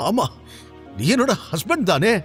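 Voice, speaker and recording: A furious young wife hurls accusations in a raised, lively voice that leaps up and down, as a man puts her on. She shouts with a cracking, tearful edge in this audio drama. Soft music plays underneath. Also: high-pitched, a little slow, heavily acted.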